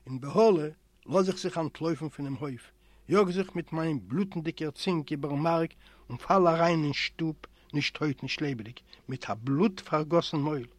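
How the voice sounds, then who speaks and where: Expressive man reading a memoir aloud. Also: normal speed, no room sound. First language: Yiddish. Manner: expressive, voices characters with raised pitch. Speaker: audiobook reader. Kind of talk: literary reading. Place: library recording room.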